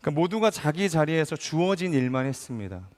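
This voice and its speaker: Pastor guy preaching, kinda high voice, lots of rhetorical questions, long echo in a big church hall. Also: very animated, quick pace, darkish tone. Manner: acts out quoted speakers in changed voices. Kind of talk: sermon.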